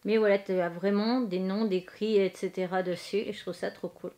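A woman's voice: medium pitch, fairly even intonation, normal speed, background noise. A young woman with a French accent, chatting casually in a haul vlog from her bedroom, rambling with lots of fillers. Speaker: vlogger. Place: bedroom in front of a bookshelf.

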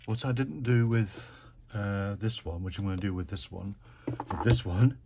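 A British man chatting through a card-making tutorial at his craft desk, relaxed and self-mocking as he talks himself through each step. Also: on the low side, moderate pace, noisy background.

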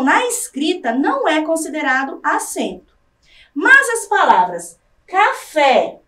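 A woman with a Brazilian Portuguese accent teaching a scripted televised lesson, drawing out example words slowly to stress syllables. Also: sits high, fairly bright tone, reverberant, distant mic.

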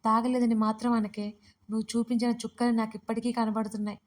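A woman's voice: on the high side, little pitch movement, fast, a little mellow, natural voice. Woman reading as a cheeky teasing young man. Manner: playful. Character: cheeky young man who loves to tease.

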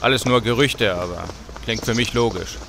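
An actor playing a cocky, streetwise buddy in a German radio play. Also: male voice, mid-range voice, normal speed, background noise, natural voice. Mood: matter-of-fact.

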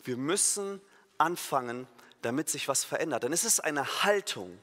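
A pastor giving a sermon, emphatic and lively, acting out imagined inner voices and now and then correcting himself mid-sentence. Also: male voice, fairly high pitch, moderate pace. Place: church hall. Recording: long reverb of a church hall.

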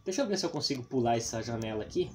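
A man's voice: medium pitch, lively intonation, racing. A man from in Brazil, chattily narrating a casual exploration vlog to his viewers on a handheld camera. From Paraná, Brazil. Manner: chatty, addresses viewers, frequent tag questions. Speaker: vlog host. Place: abandoned roofless house and overgrown grounds. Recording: noisy handheld outdoor camera recording.

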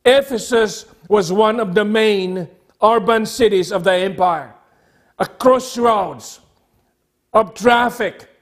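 A middle-aged man preaching a sermon as a pastor, speaking deliberately in short, emphatic phrases with repetition. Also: high-pitched. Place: church sanctuary, at a pulpit.

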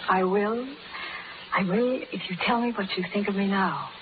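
A woman's voice: mid-range voice, moderate pace, natural voice. An actress playing a spirited, poised young colonial lady in 1930s radio drama style. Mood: coy, challenging. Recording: tinny, crackly 1930s live radio, audience. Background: audience and crackle.

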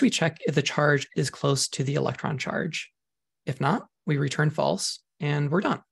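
A man presenting a programming webinar over slides, talking in a measured way with frequent ums while he is losing his voice. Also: a little high, vocal fry, breathy edge. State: losing his voice, clearing throat.

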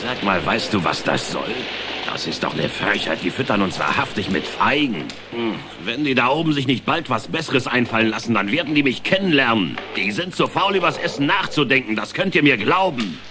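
An actor playing a suspicious, indignant animal passenger in an animated film radio play, grumbling as he talks. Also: medium pitch, brisk, background noise, lightly acted.

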